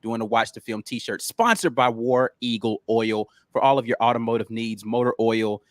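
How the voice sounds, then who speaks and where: A man's voice: medium pitch, normal speed, no echo, clean studio sound. A man co-hosting a sports podcast, talking laid-back and loose with plenty of ums and slang. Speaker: podcast co-host, film analyst. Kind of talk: casual sports talk.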